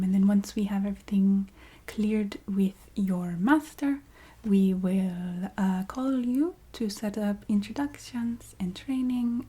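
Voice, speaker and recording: A woman voicing a polite, businesslike vampire recruiter in an ASMR roleplay, speaking in a soft half-whisper with a put-on foreign accent and halting, apologetic formality. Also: medium pitch, slight background noise, natural voice. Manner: halting, formal, polite filler-laden explaining.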